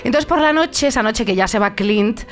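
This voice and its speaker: A woman hosts a relaxed talk show, telling stories theatrically and swearing freely. Her voice sits fairly high and carries an easy laugh. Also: normal speed. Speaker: radio host. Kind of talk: casual chat on a talk show.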